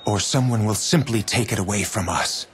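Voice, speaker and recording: A man's voice: on the low side, a little hiss or hum, natural voice. A man playing a cool, scheming warlord. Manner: cool and deliberate. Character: ambitious male warlord, calm and scheming.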